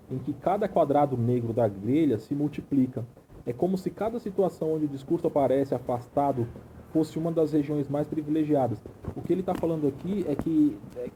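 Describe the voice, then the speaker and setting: A man's voice: mid-range voice, mellow, slight background noise, poor audio. A man from Brazil teaching an informal video lesson, conversational and often checking in with the listener.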